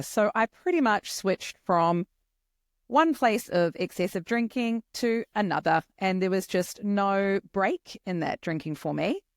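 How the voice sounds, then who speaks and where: Woman, forties, New Zealand accent, podcast guest, candid storyteller, mid pitch. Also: no echo, studio quality. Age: 40s. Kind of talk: podcast interview.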